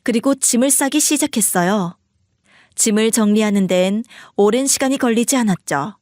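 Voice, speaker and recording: A woman's voice: fairly high pitch, lively intonation, normal speed, a little mellow, no room sound, clean studio sound. A woman narrating a first-person story as the wife and speaking her lines in a cold, firm way.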